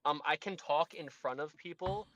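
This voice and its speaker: A man's voice: on the high side, moderate pace, a bit bright, muffled recording, a little hiss or hum. A man co-hosting a live stream, joking around and stammering through his sentences with lots of fillers. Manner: stammering, filler-heavy, playful. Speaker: co-host. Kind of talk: casual live stream banter.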